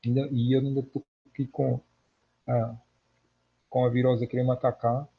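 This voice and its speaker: On lo-fi audio, a man from Portugal with a Portuguese accent responds to viewer comments during a casual livestream, where he works as an online spiritual lecturer and host. His gravelly, breathy mid-range voice comes at normal speed with a flat delivery, though he stays earnest and leans on emphatic repetition.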